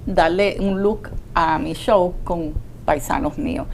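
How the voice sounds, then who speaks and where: A woman's voice: on the low side, fairly even intonation, slow, creaky, slight background noise. Puerto Rican woman hosting a TV chat. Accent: Puerto Rican Spanish. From Puerto Rico. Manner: chatty, mixes in English fillers. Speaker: TV show host. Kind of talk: community TV interview.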